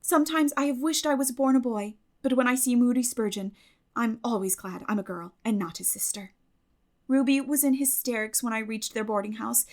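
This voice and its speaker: Storybook teenage heroine, played by a woman: high, expressive, earnest, talkative, given to gushing drama. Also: brisk, close to an everyday voice. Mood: chatty, earnest.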